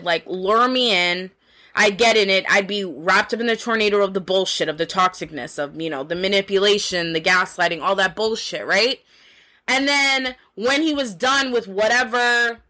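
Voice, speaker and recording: A woman's voice: medium pitch, sharp tone. A woman hosting a podcast, speaking frankly in a casual monologue full of swearing, fillers and rhetorical questions to the listener. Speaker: podcast host.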